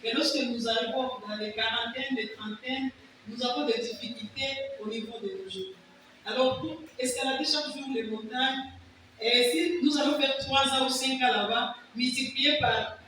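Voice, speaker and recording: A woman whose first language is Kiwari defends her thesis, her very high voice explaining earnestly and restarting phrases as she searches for words. She is picked up from a distance in a large hall with heavy echo and a faint hiss beneath. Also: fairly bright tone. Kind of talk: answering examiners' questions. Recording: echoey hall, distant mic, faint noise.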